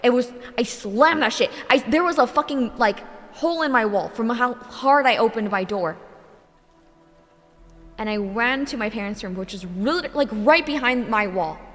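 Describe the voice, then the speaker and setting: A young woman streamer telling a true ghost story in casual, animated speech, swearing often and filling with "like". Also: a little high, normal speed. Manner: animated, swears a lot, many filler likes. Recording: long reverb, faint music behind.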